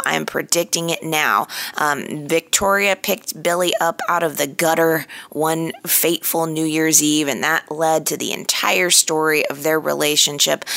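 A woman host recording a casual solo audio update, her voice slightly raspy and a little hoarse while she recovers, talking chattily with many fillers and restarts. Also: sits low, a bit bright, no room sound. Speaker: podcast host.

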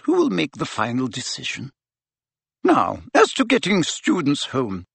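A man voicing a stern older woman headmistress who speaks in a brisk, clipped and authoritative way. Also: on the high side, gravelly, a bit bright, breathy edge, no room sound, pitched above the performer's own voice, heavily acted.

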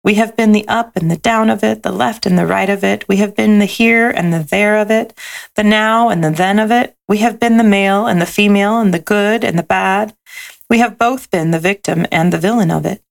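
A woman reading aloud and voicing a gentle, wise and loving soul who speaks in a tender, reassuring way. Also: medium pitch, a little fast, creaky, pitched above the performer's own voice, lightly acted.

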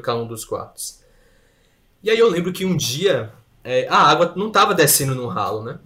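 A man spins casual anecdotes with animated energy. His voice sits slightly high for a man, and he laughs his way through the awkward bits. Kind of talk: casual storytelling chat.

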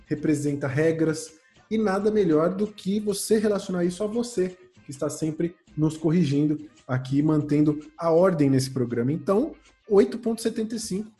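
A man's voice: fairly high pitch, animated, moderate pace, mellow, soft background music. A man hosting a comedy podcast, handing out mock-serious, ironic praise. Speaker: podcast host.

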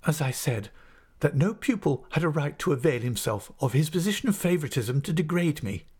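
Man performing assistant teacher, audiobook character, higher pitch, formal, restrained, humble but wounded dignity. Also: big pitch swings, brisk, a little mellow, slightly rough. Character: aggrieved, dignified, humble male assistant schoolteacher.

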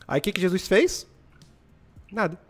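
A Brazilian man in his twenties hosting a live stream, telling stories in casual, slangy, animated motivational chat. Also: high-pitched, normal speed, faint music behind. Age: 20s.

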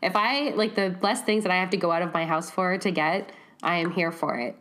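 A woman's voice: fairly low pitch, fairly quick, fairly bright tone. A woman co-hosting a parenting podcast in casual chat, sarcastic and brash, laughing often while getting over a cough. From eastern Canada. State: recovering from a cough. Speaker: podcast co-host.

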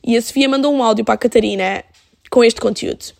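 A young woman with a European Portuguese accent hosting a casual solo podcast, animated and dropping in English phrases. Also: on the high side, fast, vocal fry, no room sound, clean studio sound. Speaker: podcast host.

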